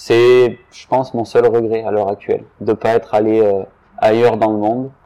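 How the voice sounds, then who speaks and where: A man with a dark, mellow tone speaks at a medium pitch and a moderate pace, his intonation monotone and flat. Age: 20s. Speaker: farmer. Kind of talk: interview. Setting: at his farm over breakfast.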